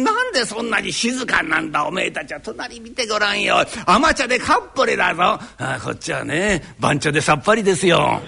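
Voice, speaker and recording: A man's voice: high voice, vocal fry, slightly rough, exaggerated voice. A man voicing a bossy, jovial landlord in a live rakugo storytelling, with an old Tokyo downtown accent, coaxing and scolding. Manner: coaxing, scolding, lively shifts of voice. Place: live performance hall.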